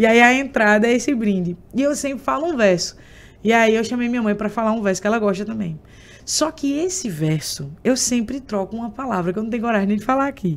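Fairly quick delivery with lively intonation. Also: woman, fairly high pitch for a woman. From Patos, Paraíba sertão, Brazil; Paraíba, Brazil. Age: young. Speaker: sertanejo singer; guest. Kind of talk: casual interview chat. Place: studio. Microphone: studio mic.

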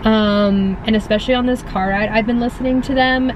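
Over noticeable background noise, a woman speaks fairly quickly with ordinary pitch variation in a dry recording with no echo. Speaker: vlogger. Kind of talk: casual vlog chat. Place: car.

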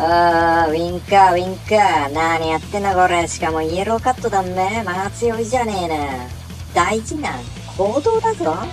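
A woman with a Gunma accent, fairly low in pitch with ordinary variation, at a moderate pace, with music in the background. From Gunma, Japan. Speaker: comedian. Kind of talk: comedic voice-over commentary on dashcam clips. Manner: scolding, exasperated.

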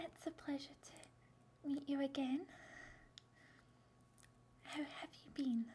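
Soft-spoken and very slow, a woman talks in a high voice with fairly even intonation. Light background noise sits behind her. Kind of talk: soft-spoken role-play exam talk. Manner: soft-spoken ASMR greeting. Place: home room. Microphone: webcam.

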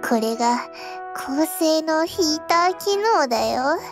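A soft-spoken woman with a gentle tone, with clear music in the background. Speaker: virtual character voice. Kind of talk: ASMR whisper voice, intimate close-mic roleplay. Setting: binaural microphone recording. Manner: soft, gentle, intimate, cozy. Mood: warm, playful, cozy. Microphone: studio mic.

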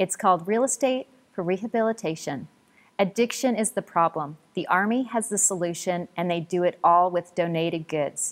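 An unremarkable speaking voice proceeds at a moderate pace with ordinary pitch variation. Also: woman, medium pitch for a woman. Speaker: tv show host. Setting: TV studio and on location.

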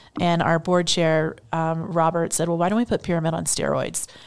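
This woman has a normal speaking voice with an American accent. She talks at a fairly quick pace and a fairly low pitch. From Texas. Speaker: nonprofit chief executive. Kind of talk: interview. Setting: in person at the organization's building.

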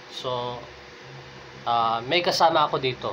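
Amid light background noise, a man talks at a very slow pace with fairly even intonation. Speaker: vlogger telling a playful story. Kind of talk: casual vlog chat in Filipino. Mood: playful, joking boastful tall tale. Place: home room. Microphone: phone near.

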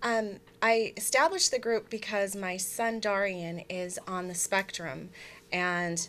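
This woman talks at a fairly slow pace. Her pitch varies in an ordinary way. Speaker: guest. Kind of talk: interview answer. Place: studio. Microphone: studio mic.

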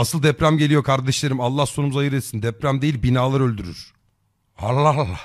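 At a fairly quick pace, the voice shows ordinary pitch variation over a quiet background. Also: man. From Turkey. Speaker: streamer. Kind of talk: live stream reaction commentary. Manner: casual, animated. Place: home room. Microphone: studio mic.

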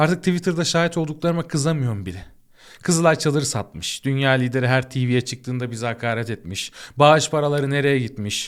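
A man speaks with fairly high pitch and ordinary pitch variation. The recording is very clean, with a silent background. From Turkey. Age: 30s. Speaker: podcaster, content creator. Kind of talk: personal monologue. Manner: reflective, subdued.

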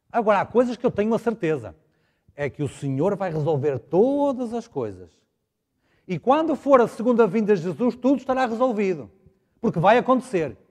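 Speaking at a moderate pace in a European Portuguese accent, a man with a high pitch makes very wide pitch swings. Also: quiet background. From Portugal. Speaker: preacher. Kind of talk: sermon. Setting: church. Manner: earnest, persuasive. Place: church. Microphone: lapel.

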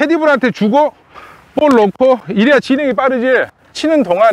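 Extremely high in pitch, a man speaks at a moderate pace with ordinary pitch variation and a dry sound with no echo. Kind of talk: casual commentary. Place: open country.

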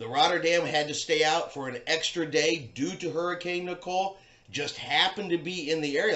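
The speaker is male. He keeps a moderate pace. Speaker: cruise news host. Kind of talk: casual news commentary. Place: home room.

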